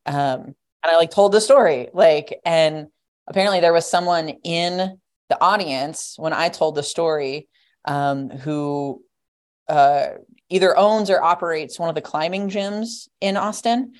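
A young adult guest on a podcast, talking casually and rambling, with lots of "like" and "you know.". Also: female voice, low-pitched, unhurried.

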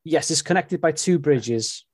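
A man's voice: fairly high pitch, expressive, a little slow, breathy edge, no echo. Welsh man, late thirties, native Welsh speaker, friendly chatter, laughs often, dry sound. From Wales. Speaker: podcast guest. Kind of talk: casual interview chat. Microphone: remote call.

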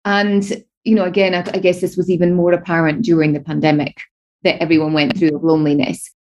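A woman's voice: fairly low pitch, level tone, a little fast, a little mellow, a little hiss or hum. A woman hosting a podcast, asking questions in a friendly, easygoing way with small restarts. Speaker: podcast host. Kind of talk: casual interview conversation.

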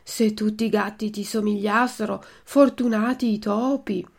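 A woman's voice: medium pitch, steady tone, normal speed, creaky, a little mellow. A woman voicing an impulsive wooden puppet boy who talks eagerly and exclaims a lot.

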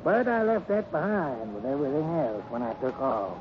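Animated, folksy old hobo. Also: male voice, medium pitch, normal speed. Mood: humble. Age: older. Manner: folksy drawling phrases, chuckling. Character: genial, wistful old hobo. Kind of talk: 1950s radio western acting. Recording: noisy, muffled old radio recording.

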